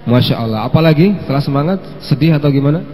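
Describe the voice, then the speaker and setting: Guy teaching kids, encouraging them to speak up, bit high voice, echoey hall with a low hum. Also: expressive, fast. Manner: gently coaxing, sprinkles Arabic phrases. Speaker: children's religious teacher and host. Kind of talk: live-streamed kids' story lesson Q&A. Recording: long hall reverb with faint mains hum.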